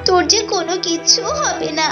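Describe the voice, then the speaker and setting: A woman's voice: extremely high pitch, fairly quick. A woman voicing an anxious, protective mother duck in a children's cartoon. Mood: protective, soothing. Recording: muffled, music behind.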